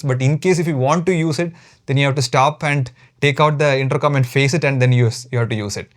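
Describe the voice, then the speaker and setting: Methodical Indian-accented male reviewer. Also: a little high. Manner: methodical, explanatory, enumerates points. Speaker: product reviewer. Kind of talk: structured review narration to viewers.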